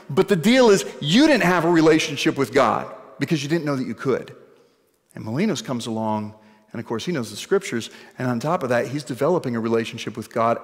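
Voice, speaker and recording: Conversational pastor preaching in a reverberant church. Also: male voice, a little high. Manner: conversational, jokey asides to the congregation. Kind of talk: sermon. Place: church stage before a congregation.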